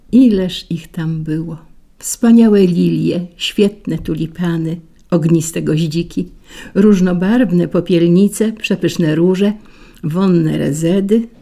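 Gravelly-voiced woman reading a storybook. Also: fairly low pitch, warm tone. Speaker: narrator.

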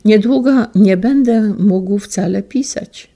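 A woman voicing a gentle, wistful elderly male schoolteacher, speaking softly and haltingly. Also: mid-range voice, voice pushed up. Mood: sorrowful. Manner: soft, halting and tender.

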